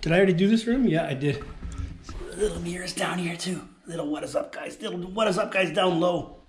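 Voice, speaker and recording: A man, excitedly talking to viewers while exploring an empty abandoned house on an action camera. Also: high voice, a little fast, a little hiss or hum. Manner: excitable, keeps calling out to viewers. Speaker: urban explorer vlogger. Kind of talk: casual exploring vlog to camera. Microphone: handheld action camera.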